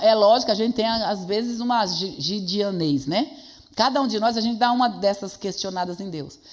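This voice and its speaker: A woman at a fairly quick pace in a northeastern Brazilian accent, with audible room echo. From Northeast Brazil. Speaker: preacher. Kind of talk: sermon.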